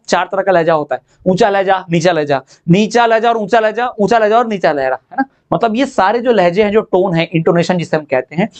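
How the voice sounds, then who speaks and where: A man teaching an exam-prep lesson, explaining in Hindi and reading English definitions slowly. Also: high voice, darkish tone.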